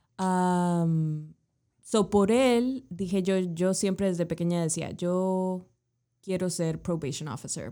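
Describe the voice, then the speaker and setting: A woman with a Honduran accent speaks at a very slow pace with ordinary pitch variation. Her fairly low voice has a dark, mellow tone, in a very clean recording with a silent background. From Honduras. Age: 20s. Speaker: social worker. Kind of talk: interview.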